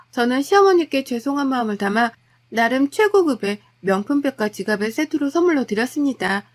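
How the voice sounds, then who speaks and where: High-voiced woman narrating a family story. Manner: steady confiding narration. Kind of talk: scripted first-person story narration.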